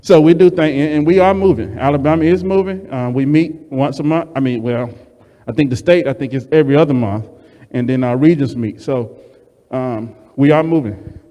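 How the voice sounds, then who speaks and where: A man hosting a meeting and introducing speakers, speaking haltingly with many ums and restarts. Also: medium pitch, warm tone. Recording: reverberant meeting hall.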